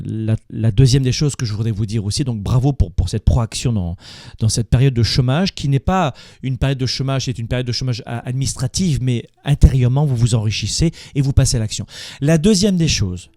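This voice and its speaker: A man's voice: medium pitch, lively intonation, normal speed, dark tone, dry recording, clean studio sound. A man hosting a motivational call-in show, speaking emphatically and repeating words as he builds a point. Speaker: host taking live calls.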